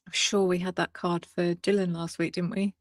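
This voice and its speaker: A woman's voice: on the low side, level tone, moderate pace, no room sound, clean studio sound. A woman hosting a live stream, chatting casually and reassuringly with her co-host and greeting viewers. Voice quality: soothing.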